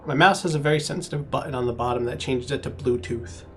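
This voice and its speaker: A man's voice: mid-range voice, fast talker, music in the background. A man acting as game master, casually narrating a tabletop game to his players.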